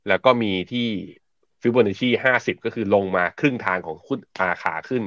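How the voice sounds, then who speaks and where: A man co-hosting a morning markets show, explaining charts and reading viewer comments in a relaxed, chatty way. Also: mid-range voice, normal speed, no room sound, lo-fi sound. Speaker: co-host and market analyst.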